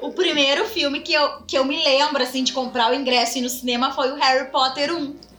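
A woman's high-pitched, raised and projected voice at a fairly quick pace, with fairly even intonation, hardly any pauses, audible room echo and noticeable background noise. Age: 30s. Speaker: podcast co-host and teacher. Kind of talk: casual chat.

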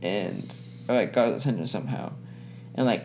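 Over noticeable background noise, a man's voice carries audible room echo. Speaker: college student podcast host. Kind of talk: casual chat.

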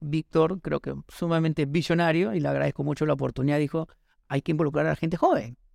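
A man with a plain, everyday voice, fairly high in pitch, at a fairly quick pace. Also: dry, close sound with no echo. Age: 30s. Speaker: mining engineer and startup co-founder. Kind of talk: interview. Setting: studio.

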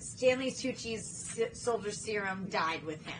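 Audible room echo around a woman speaking at a medium pitch with ordinary pitch variation. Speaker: podcast host, Marvel fan. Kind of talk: casual chat. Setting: home recording with ring light. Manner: animated.

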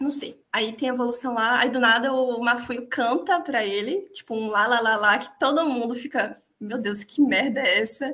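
A woman talks in a high pitch with a bright, sharp tone and ordinary pitch variation. Her pace is moderate, with hardly any pauses. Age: 20s. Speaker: engineering student. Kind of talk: casual chat. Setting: video call.

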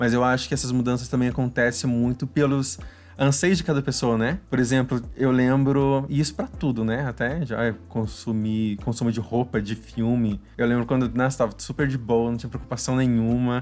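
A man's medium-pitched, an ordinary speaking voice, moderate pace, ordinary pitch variation, hardly any pauses. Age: 20s. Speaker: podcast guest, trained in vocal technique. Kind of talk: casual chat.

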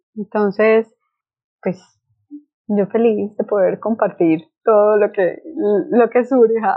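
This woman talks at a fairly slow pace with a fairly high pitch. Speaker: voice therapist and classical pianist. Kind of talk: interview conversation.

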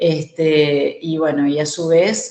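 A woman with a Cordoban Argentine accent speaks in a very deep, low pitch with fairly even intonation. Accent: Argentine Spanish (Córdoba). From Argentina, Córdoba. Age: 50s. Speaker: fast-food worker, former court employee. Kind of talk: radio interview.

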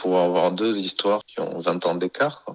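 His tone is bright and sharp as a man speaks at a moderate pace. The sound is dry and close, with no echo. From France, Bordeaux (Grand Parc). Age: 40s. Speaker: dancer and choreographer. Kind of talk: interview. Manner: hesitant, with many repetitions.

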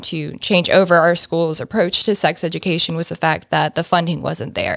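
Speaking with an American accent, a woman uses fairly even intonation and vocal fry. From US South, rural Georgia. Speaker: university student and sex education advocate. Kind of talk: interview.

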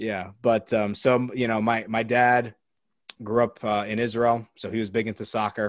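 He has a Midwestern American accent and a medium pitch. The man speaks at a moderate pace with monotone, flat intonation. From Columbus, Ohio. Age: 20s. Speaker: sports writer. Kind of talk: casual sports discussion. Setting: video call.

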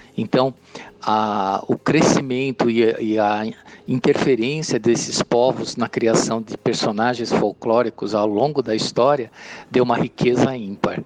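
A man speaks at a medium pitch and a fairly slow pace with fairly even intonation. The sound is dry and close with no echo, though background noise is noticeable. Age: 50s. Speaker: author and book editor. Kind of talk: interview. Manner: halting.

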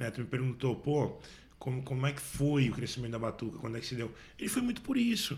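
A man talks very fast at a medium pitch with fairly even intonation. His voice sounds somewhat breathy. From interior of São Paulo state, Brazil. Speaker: advertising agency CEO. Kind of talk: casual interview chat.

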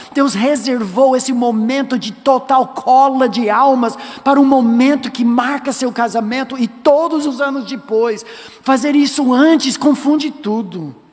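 Over noticeable background noise, a man with an extremely high pitch speaks at a fairly slow pace with fairly even intonation. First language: English (speaking Portuguese). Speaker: pastor. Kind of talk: sermon. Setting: church.

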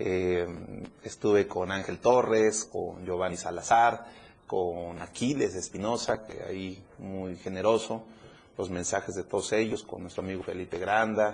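A man's fairly low voice, an ordinary speaking voice with ordinary pitch variation, at a fairly slow pace. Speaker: politician. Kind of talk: interview.

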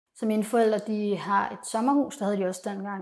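A woman's fairly high-pitched voice at a very fast pace. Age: 20s. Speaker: adoptee sharing personal story. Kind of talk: personal testimony interview.

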